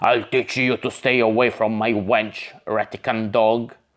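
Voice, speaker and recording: A man's growling, put-on character voice at medium pitch, moderate in pace, with monotone, flat intonation. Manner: bellowing, threatening.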